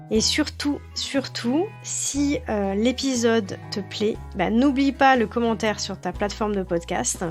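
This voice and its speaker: A woman hosting an interview podcast, chatting casually with many fillers and speaking straight to the listener. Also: a little high. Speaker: podcast host.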